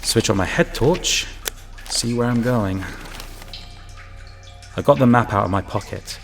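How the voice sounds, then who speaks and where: A man's voice: medium pitch, a little slow, creaky, a little hiss or hum. A man playing an uneasy utility inspector alone in the sewers, narrating an audio drama and musing to himself. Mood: muttering, businesslike. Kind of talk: first-person narrated audio drama with muttered asides.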